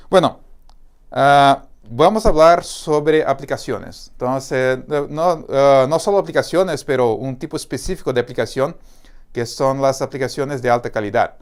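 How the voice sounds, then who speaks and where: Brazilian man, Portuguese accent, smooth clear voice, halting live tech talk with many fillers. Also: mid-range voice. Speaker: developer advocate. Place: company studio.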